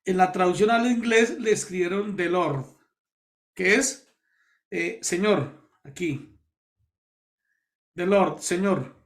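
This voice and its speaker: A pastor from Colombia leading a Bible study, explaining words slowly and repeating key terms to his listeners. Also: high voice.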